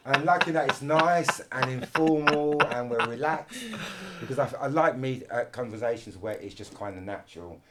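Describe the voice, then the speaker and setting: A middle-aged man from London hosting a casual podcast, talking in an animated, restless way with many restarts and repeated words. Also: mid-range voice, moderate pace, a loud crowd. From London, England. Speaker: podcast host.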